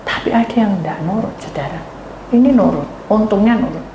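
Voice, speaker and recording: A woman pastor with a Javanese accent, preaching a sermon as animated storytelling that addresses the congregation. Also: mid-range voice, brisk, muffled recording. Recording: echoey hall with faint noise.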